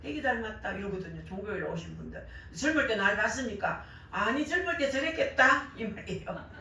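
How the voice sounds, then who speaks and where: An older woman with a worn, hoarse voice and a Gyeongsang Korean accent, preaching with animated storytelling and acted-out remarks. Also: on the high side, a little fast, a little hiss or hum. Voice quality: worn, hoarse voice damaged by years of crying out in prayer. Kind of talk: sermon with personal anecdotes. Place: church service, roomy indoor hall. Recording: very echoey church hall, distant mic.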